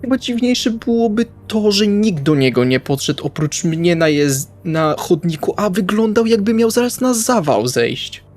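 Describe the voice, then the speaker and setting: A man's voice: high voice, very animated, measured pace, hardly any pauses, darkish tone. A man playing a blunt, exasperated male vampire in an improvised tabletop roleplay, speaking colloquially and hesitantly, with music behind him. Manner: colloquial, swearing, hesitant phrasing.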